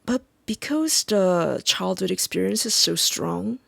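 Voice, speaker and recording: A Korean-accented speaker, a native Korean speaker, talking in a halting, reflective vlog monologue and often pausing to search for words. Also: medium pitch, animated, creaky, a bit bright, no echo. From South Korea. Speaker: vlogger.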